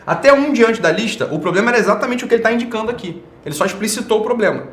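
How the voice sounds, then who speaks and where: Fast, blunt man with a roomy echo. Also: high-pitched, expressive, a bit bright, a little hiss or hum. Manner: blunt, emphatic, peppered with slang and swearing; rhetorical tag questions. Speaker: online show host. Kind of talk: casual opinion monologue.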